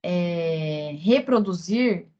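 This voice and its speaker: Lecturing for exam preparation, this teacher has a Brazilian Portuguese accent and a fairly low, warm voice with lively intonation. She explains slowly, using frequent fillers and repetitions, and the sound quality is lo-fi.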